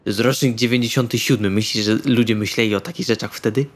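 A man's voice: lowish voice, steady tone, quick pace, close to an everyday voice. A man playing a sarcastic, crude, casual male vampire in an improvised tabletop roleplay.

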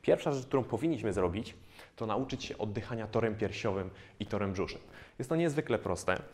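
Man in his thirties, fitness trainer, low voice, calm and explanatory, with pauses and fillers, lapel mic. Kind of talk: instructional exercise video. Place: bare indoor studio room.

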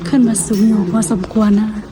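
A woman hosting a vlog, chatting to viewers as she climbs to the top of a hilltop pagoda outdoors. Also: fast talker. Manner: chatty, addresses viewers, exclaims at the view. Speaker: vlog host. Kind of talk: walking tour narration.

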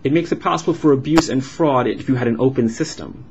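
A man speaks as a live interpreter, explaining point by point in halting phrases with uneven pauses. His pitch sits in an ordinary male range. The recording is dull and lo-fi, with noticeable noise behind him. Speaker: sign language interpreter voicing a signed vlog. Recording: dull lo-fi sound with clear background noise.

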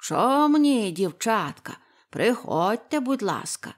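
A woman's voice: fairly high pitch, sing-song, slow. A woman voicing a sly, jolly old male forest spirit in a storybook reading, with a folksy, chuckling way of talking. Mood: cheerful.

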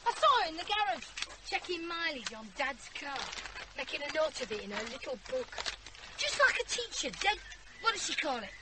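A woman's voice: high-pitched, very animated, a little fast, very noisy. An actress playing a cheeky, rebellious fifteen-year-old girl with a Northern English accent, blunt and scornful, in a radio drama. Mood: gossipy. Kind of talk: naturalistic radio drama acting.

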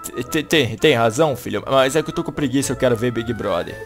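Performer doing a sluggish middle-aged dad, much deeper than own voice, stammering, mumbled and set back from the mic, soft music underneath. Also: fairly quick, lightly acted. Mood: sheepish. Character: lazy aging father who watches TV.

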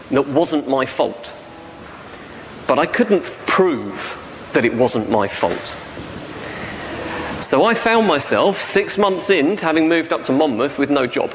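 A man in his forties from South-East England, giving a conference talk in a chatty, self-deprecating way, often tagging on "right?". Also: a little high. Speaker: conference speaker. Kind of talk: presentation talk. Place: large dark hall on a stage with projection screen. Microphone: stand mic at lectern. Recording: reverberant hall, faint noise.

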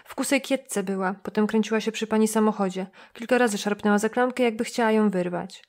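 A woman's voice: medium pitch, a little fast, darkish tone, lightly acted. A woman voicing a nosy, suspicious middle-aged male motel receptionist who lectures and gossips.

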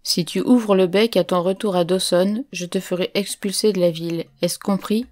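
A woman's voice: mid-range voice, fairly even intonation, moderate pace, darkish tone, lightly acted. A woman reading the part of a stern, commanding mining engineer who gives curt orders.

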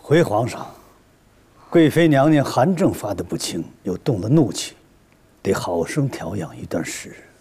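Very husky court physician. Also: male voice, lowish voice, expressive, moderate pace, dark tone. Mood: deferential. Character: deferential imperial court physician. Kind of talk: Chinese period palace drama acting.

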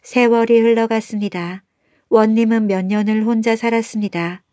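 A woman's voice: on the high side, steady tone, moderate pace, warm tone, no room sound. A woman reading a scripted folktale as a bedtime storyteller.

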